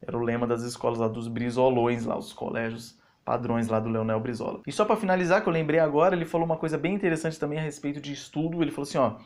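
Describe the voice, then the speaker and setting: A man's voice: medium pitch, steady tone, fast, few pauses. A man with a Brazilian Portuguese accent, hosting his own channel and giving casual, opinionated commentary in reply to comments, talking emphatically and conversationally. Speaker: channel host answering comments.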